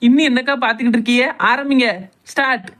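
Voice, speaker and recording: A woman's voice: high voice, fairly even intonation, quick pace, fairly bright tone. A woman doing a cheeky, food-loving village woman. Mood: playful. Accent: Tirunelveli Tamil. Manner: playful, teasing.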